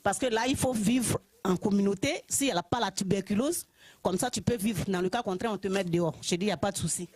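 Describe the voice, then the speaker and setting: Husky Ivorian woman giving testimony. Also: mid-range voice, fairly quick, dry recording. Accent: Ivorian French. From Côte d'Ivoire. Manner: lively storytelling, often laughing. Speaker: church member giving testimony. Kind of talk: personal testimony in church.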